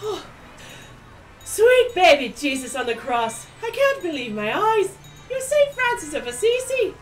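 An actress voicing a brash, bossy pregnant young woman in a comic radio drama, crude and sharp-tongued. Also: extremely high pitch, big pitch swings, a little slow, faint music behind, full character voice. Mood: awestruck.

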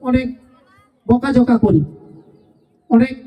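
A woman teacher says goodbye to parents at a school event with a speech full of rhetorical questions and repeated points and phrases. She takes it slowly in a warm, high voice that sounds distant.

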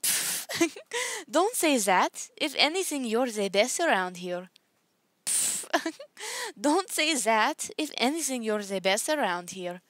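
A woman playing a caring young female sword swallower in an audition, soft and gentle in manner. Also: a little high, big pitch swings, slow pace, dry recording, heavily acted. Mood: reassuring.

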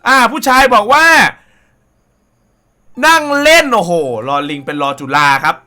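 A young man hosting a casual comedy reaction show, loud and crude, with frequent exclamations. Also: very high-pitched, sing-song, measured pace, background noise. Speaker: reaction video host.

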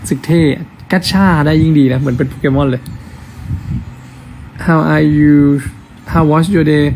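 A man's voice: fairly high pitch, steady tone, slow pace, creaky, a little mellow, slight background noise. A young man on a casual live stream, chatting affectionately as he reads out fan comments. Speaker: actor hosting an Instagram live.

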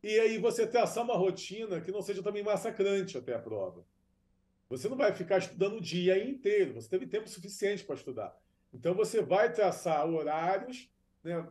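A Brazilian man gives informal expert advice in a fairly high but soft-edged, mellow voice. It sounds like a webcam recording in a small room. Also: animated, fairly quick. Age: 30s or 40s. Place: small room at home or office.

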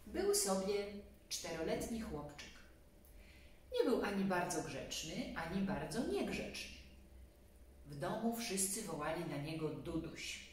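A woman in her forties, seated on a sofa in a small indoor room, reads a children's story expressively and speaks casually to her young listeners directly. Her voice is on the low side and a little slow. A camera a few metres away picks it up, so the sound is very echoey and distant with faint noise.

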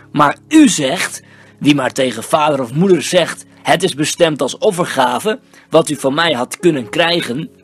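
A reader voicing a calm, authoritative male teacher in a firm, admonishing tone. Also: medium pitch, husky. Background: soft background music.

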